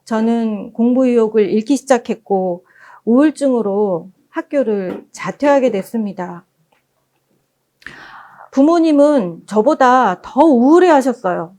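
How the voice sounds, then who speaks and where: A woman presenting at a book forum who reads passages aloud as gentle storytelling. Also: on the high side. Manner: gentle storytelling, acting out quoted lines.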